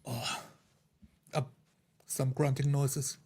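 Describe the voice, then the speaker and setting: Male roleplay gamer, middle pitch, unhurried first-person narration in halting fragments. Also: level tone, a little mellow, slightly rough. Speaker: tabletop game player. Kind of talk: first-person description of character actions.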